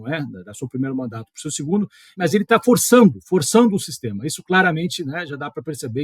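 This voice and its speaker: A middle-aged man from southern Brazil, a history and politics professor and columnist, offers thoughtful, hedging political commentary for a video column in a southern Brazilian Portuguese accent. His voice is fairly high with a breathy edge, recorded at studio quality with no echo.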